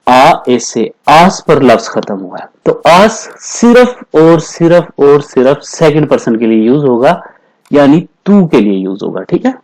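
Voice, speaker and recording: A man teaching Spanish in a classroom-style lesson, explaining patiently, repeating phrases, and saying the Spanish examples slowly and carefully. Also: a little high, very animated, a little mellow, low-quality recording. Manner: explains patiently, repeats phrases, keeps asking "theek hai na".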